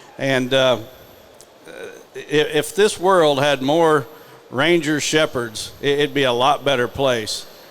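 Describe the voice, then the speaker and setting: A man with an American accent and a fairly high pitch at a fairly slow pace, with noticeable background noise. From US North. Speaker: podcast host. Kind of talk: live podcast before audience. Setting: live event with audience. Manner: halting.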